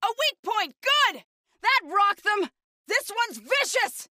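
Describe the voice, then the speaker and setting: A woman's voice: extremely high pitch, very animated, slow pace, pushed and bright, no room sound, clean studio sound, exaggerated voice. An actress playing an earnest female tribal warrior companion, delivering short, emphatic battle lines for a video game. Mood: urgent, fierce.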